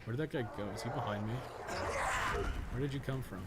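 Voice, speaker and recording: A man's voice: medium pitch, fast talker, very noisy. A man giving casual, rambling live commentary while playing a video game, with some swearing and self-amusement. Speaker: video game streamer and podcast co-host.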